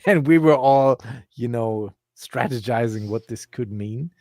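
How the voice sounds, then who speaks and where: A man's voice: mid-range voice, measured pace, a little mellow, no echo. Chatty man hosting, dry mic. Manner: chatty, laughs often. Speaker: host. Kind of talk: casual podcast talk.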